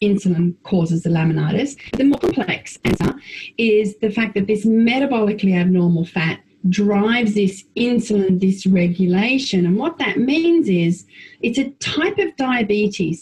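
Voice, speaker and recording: A woman with an Australian accent speaks in medium pitch, with lively intonation. Her pace is moderate and her loudness is very even. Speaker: equine vet professor; guest. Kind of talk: interview. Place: home room. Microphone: video call.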